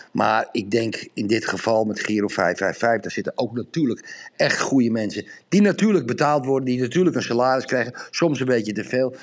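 A man telling a long, rambling story to his co-host, growing more emphatic as he goes. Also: mid-range voice. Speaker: podcast co-host. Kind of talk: casual monologue on a podcast.

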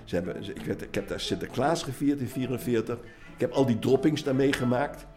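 A man in his eighties from the Netherlands, giving personal testimony, halting with frequent restarts and lively when retelling scenes. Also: mid-range voice, faint music behind. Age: 80s. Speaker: interviewee.

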